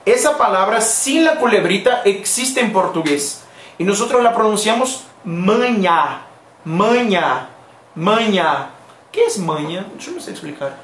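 A woman leads a live online language lesson, speaking at a middle pitch. She explains patiently and slowly, repeating each model word. Her voice carries the echo of a bare room, with faint noise underneath. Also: big pitch swings. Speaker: Portuguese teacher for Spanish speakers.

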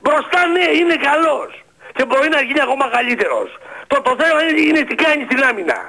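A man playing a loud, know-it-all basketball fan in a radio comedy sketch, ranting and tripping over his words. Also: very high voice, sing-song, exaggerated voice, low-quality recording. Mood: lecturing.

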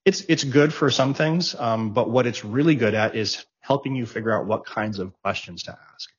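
Man, middle-aged, husky, stammering restarts, muffled lo-fi call audio. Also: mid-range voice, normal speed. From raised abroad, born in Japan, raised in Germany. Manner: rambling storyteller, frequent restarts and stammered repeats. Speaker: interview guest, tech professional. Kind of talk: casual interview talk.

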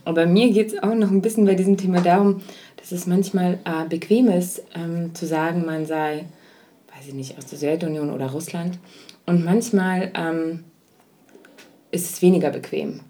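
A young woman from Kazakhstan talks casually as a podcast co-host. Her voice sits a little low, and she laughs often and fills pauses with hesitations. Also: steady tone, dark tone. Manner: chatty, laughs often, many fillers.

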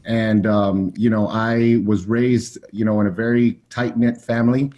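A man's voice: on the low side, little pitch movement, a little slow, mellow, highs cut off. An American man from Miami talking conversationally about himself as an interview guest. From Miami, Florida, USA. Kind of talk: casual conversational personal storytelling.

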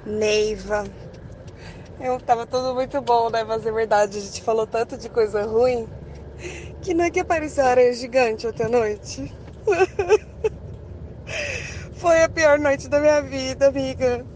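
A woman with a Brazilian accent and a fairly high voice tells a story dramatically and acts out every line of dialogue. Faint road noise from a vehicle sits under her voice. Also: moderate pace, darkish tone. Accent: Brazilian Portuguese. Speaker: podcast co-host. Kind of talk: casual chat, voice-message storytelling.

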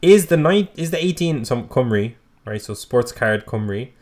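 A man's voice: mid-range voice, expressive, normal speed, a little mellow. A man co-hosting a podcast, chatting casually with rambling, self-mocking banter and the odd swear. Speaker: podcast co-host. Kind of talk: casual chat.

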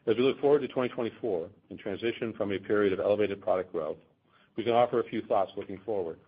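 A man with a fairly low, husky voice reads out prepared financial remarks on an earnings call. His delivery is formal and measured, and the audio is slightly dull, as from a conference line. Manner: formal, measured reading of figures. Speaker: company finance executive. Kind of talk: scripted earnings call presentation.

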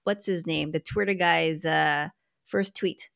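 A woman's voice: low voice, steady tone, unhurried, vocal fry, fairly bright tone, no room sound, studio quality. A woman co-hosting a podcast who chimes in with short remarks and finishes her partner's sentences. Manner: brief interjections, finishes her co-host's sentences. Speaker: podcast co-host. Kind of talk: casual finance chat.

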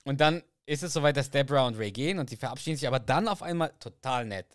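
Male podcast co-host, animated storyteller who mimics characters; close, dry recording. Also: medium pitch, fast talker, no room sound. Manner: acts out the characters' lines in raised voices, laughing. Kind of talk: casual chat retelling a sitcom episode.

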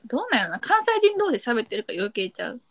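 Fast-talking Kansai woman telling stories. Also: on the high side, big pitch swings, fairly bright tone. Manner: chatty storyteller. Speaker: podcast co-host. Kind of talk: casual chat.

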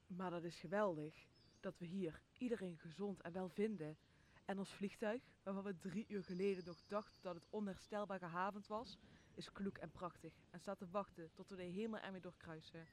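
Casting: bewildered crewman played by a man, high youthful-sounding pitch, eager and earnest, for a radio play. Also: fairly even intonation, normal speed, a little hiss or hum, natural voice. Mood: delighted. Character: excited, bewildered aircraft crewman. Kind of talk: stage-like radio drama acting.

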